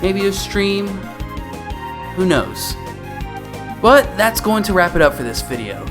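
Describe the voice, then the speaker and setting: A man hosts a casual game review in an informal, slightly sweary way. His pitch moves around a lot, and music plays clearly behind him. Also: sing-song, takes it slowly. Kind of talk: casual video commentary.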